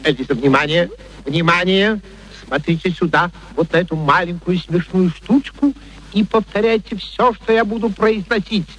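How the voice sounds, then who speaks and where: An actor playing a brisk, imperious and excitable gentleman professor, commanding and mocking, in a radio play. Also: high-pitched, low-quality recording.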